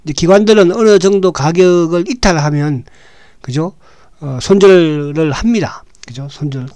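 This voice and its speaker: Hoarse man giving stock commentary. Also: on the high side, a little mellow, no room sound. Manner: talks with frequent "right?" tag questions, halting restarts. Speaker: stock market show host. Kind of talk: casual market commentary.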